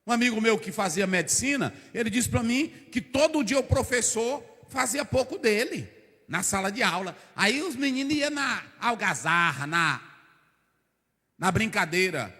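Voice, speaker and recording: A pastor preaching a lively sermon, acting out the people in his stories with bursts of shouting. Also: high voice, normal speed, breathy edge. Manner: animated storytelling, acting out characters, shouting bursts. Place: church hall. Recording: long church hall reverb.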